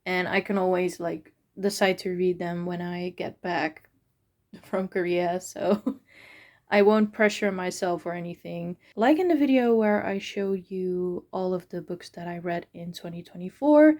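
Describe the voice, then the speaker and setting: Slow-talking woman vlogging books. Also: fairly low pitch, warm tone. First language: Dutch. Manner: hesitant, many fillers and restarts. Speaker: book vlogger. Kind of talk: casual vlog chat.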